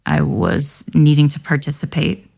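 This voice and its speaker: A woman's voice: low voice, sing-song, moderate pace, creaky, darkish tone. A woman hosting an intimate podcast, talking candidly and reflectively and laughing easily. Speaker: podcast host.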